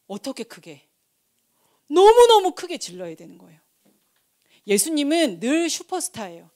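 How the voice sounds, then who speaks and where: A woman preaching a sermon, telling a Bible story with lively acted-out shouts and quoted dialogue. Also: fairly high pitch.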